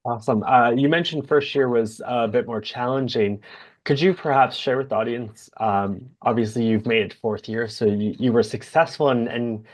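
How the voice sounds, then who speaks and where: A young man hosting a video call interview, asking friendly questions from a home office. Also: mid-range voice. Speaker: host. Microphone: video call webcam.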